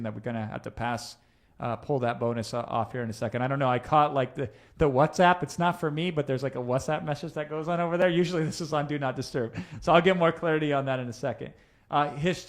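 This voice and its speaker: A man coaching a live audience in a conversational teaching talk, often checking in with "right?" and drifting into asides. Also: medium pitch. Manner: conversational, checks in with "right?", digresses mid-thought. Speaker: coach presenting a live session.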